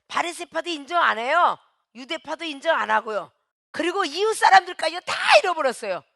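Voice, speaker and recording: A woman pastor preaching a sermon with emphasis, swinging between shouts and hushed, quiet lines and calling out to the congregation. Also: sits high, expressive, brisk, vocal fry, no room sound, studio quality.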